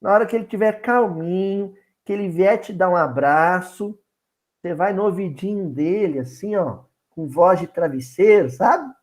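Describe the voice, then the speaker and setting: A man with a Minas Gerais Brazilian accent giving an expressive Bible study talk. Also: sits high. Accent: Minas Gerais Brazilian Portuguese. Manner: animated and expressive, slow and emphatic. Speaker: spiritist Bible study speaker.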